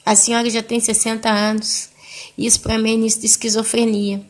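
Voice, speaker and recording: A woman's voice: fairly high pitch, flat delivery, a little fast. Conversational woman preacher telling a story. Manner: conversational, repetitive, vivid retelling. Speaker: Christian preacher. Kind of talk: religious storytelling talk.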